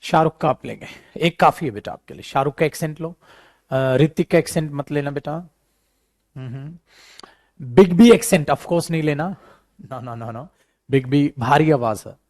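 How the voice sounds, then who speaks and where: A man's voice: on the high side, unhurried, dry recording, clean studio sound. A man teaching a live spoken English class, chatty and repetitive, calling his students "beta". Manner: addresses students as beta, repeats himself, chatty and animated.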